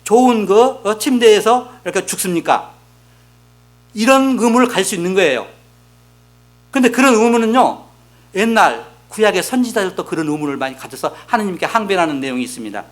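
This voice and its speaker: A middle-aged senior pastor with a high, expressive, somewhat fast voice preaches a sermon. He explains through rhetorical questions and reads scripture aloud, giving voice to the prophets' complaints.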